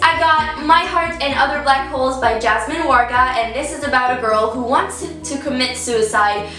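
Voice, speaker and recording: Bright, high-voiced teen girl with an Italian accent. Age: teens. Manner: chatty, bubbly, addresses viewers directly. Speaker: book vlogger. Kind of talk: casual book haul chat. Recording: echoey room, distant mic, faint music.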